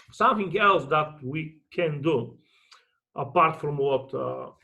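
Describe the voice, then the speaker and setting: A man with a Bulgarian accent and a fairly high pitch talks at a very slow pace with ordinary pitch variation. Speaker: astrologer. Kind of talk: lecture.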